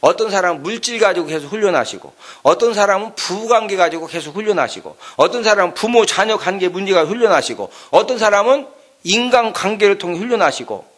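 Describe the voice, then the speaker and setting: A man's voice: sits high, lively intonation, fast, fairly bright tone. A man preaching a sermon as pastor. He tells the story with sound effects and often checks in with the congregation.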